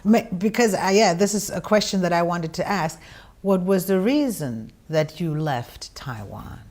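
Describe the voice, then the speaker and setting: A woman's voice: on the low side, lively intonation, unhurried, a little mellow. Woman asking frank questions. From Germany. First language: German. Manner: inquisitive, frank, emphatic. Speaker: interviewer. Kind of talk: interview conversation.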